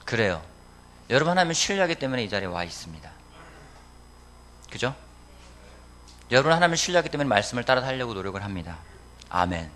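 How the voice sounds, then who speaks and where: Questioning man preaching, lively pitch. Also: fast talker, long pauses, slight background noise. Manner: asks the congregation questions and answers them. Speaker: pastor. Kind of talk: sermon. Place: church sanctuary.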